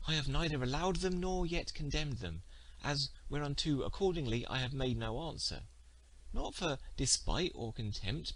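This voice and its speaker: A man reading the part of a virtuous, guarded young maiden in a storybook, speaking formally and with measured courtesy. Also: mid-range voice, fairly bright tone, poor audio. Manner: formal, measured, principled speech. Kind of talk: storybook character dialogue.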